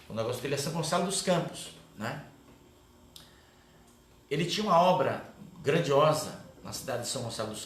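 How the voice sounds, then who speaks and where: Man telling a story in an echoey room. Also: fairly high pitch. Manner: animated storyteller, often tags lines with "né?". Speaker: guest speaker at a catechesis. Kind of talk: first-person testimony storytelling. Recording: echoey room with faint background noise.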